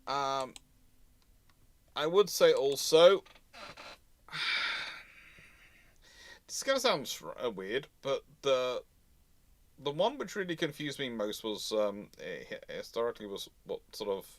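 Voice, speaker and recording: A man's voice: medium pitch, very animated, takes it slowly, long pauses, no room sound. Rambling man hosting, dry close sound. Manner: rambling, thinking aloud, often rephrasing. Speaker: host answering audience questions. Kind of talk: live unscripted history discussion.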